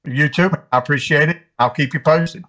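A man's voice: fairly high pitch, normal speed, a bit bright, highs cut off. A man from North Carolina, a guest angler giving earnest, encouraging advice in a casual interview. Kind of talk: casual interview over a call.

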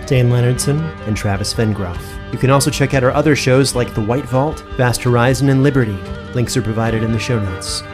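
A man reading scripted audio drama narration and credits in a measured, deliberate way. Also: mid-range voice.

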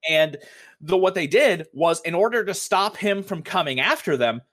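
A man's voice: high voice, animated, moderate pace, fairly bright tone. A young man chatting casually about tabletop role-playing games, telling a long story with lots of fillers and the odd swear word. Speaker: podcast co-host, game master.

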